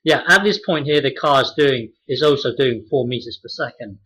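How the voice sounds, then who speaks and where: A man teaching a math example off the cuff, halting with many restarts and fillers as he works through it. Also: medium pitch, a bit bright, slightly rough, low-quality recording. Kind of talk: unscripted whiteboard explanation.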